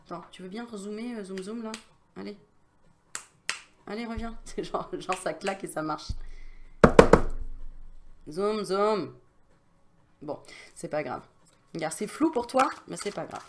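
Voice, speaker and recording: A woman's voice: mid-range voice, unhurried, long pauses, noisy background. A woman medium giving a casual card reading straight to the viewer, chatty and familiar, coaxing and reassuring with lots of fillers.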